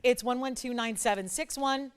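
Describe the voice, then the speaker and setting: A woman's voice: fairly high pitch, moderate pace, smooth. A woman hosts a live jewelry sales show with a sniffly, slightly scratchy cold in her voice. She talks in a chatty, upbeat way, repeating words for emphasis as she counts prices down. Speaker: shopping channel host.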